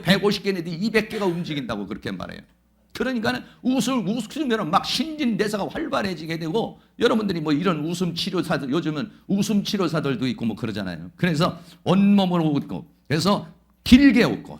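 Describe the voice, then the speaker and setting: A male pastor preaching a Sunday sermon, fervently proclaiming declarations and answering his own questions. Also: high-pitched. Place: church Sunday service.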